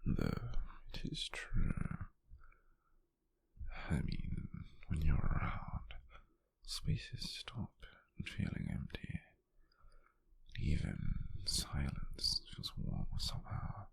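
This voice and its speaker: Gentle, doting British wizard boyfriend played by a male ASMR actor: low, gravelly half-whisper, tender and softly teasing. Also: huge pitch swings, very slow, full character voice. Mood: tender, wistful. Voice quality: breathy, husky near-whisper. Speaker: ASMR roleplay performer. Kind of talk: ASMR roleplay, intimate whispering.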